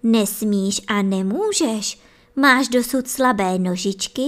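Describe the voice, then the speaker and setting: A woman's voice: medium pitch, a bit bright, lightly acted. A woman voicing a strict but caring mother hare who speaks firmly. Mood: stern. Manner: stern, firm commands.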